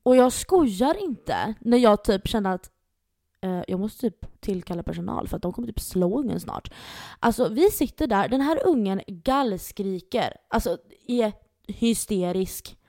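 A young woman co-hosting a casual podcast chat, telling stories with plenty of swearing and lively retellings. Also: medium pitch, no room sound, studio quality. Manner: storytelling, swearing, animated retellings. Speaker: podcast co-host.

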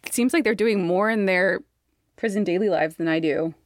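A woman's voice: medium pitch, normal speed, no room sound, clean studio sound. A woman co-hosting a podcast, chatting in a laid-back, wry way with amused asides. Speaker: podcast co-host. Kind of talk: casual chat.

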